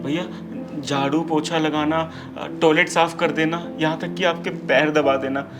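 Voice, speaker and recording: An actor playing a poor beggar who humbly pleads for work, in a web drama. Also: male voice, a little high, fairly even intonation, moderate pace, music in the background, lightly acted. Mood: pleading.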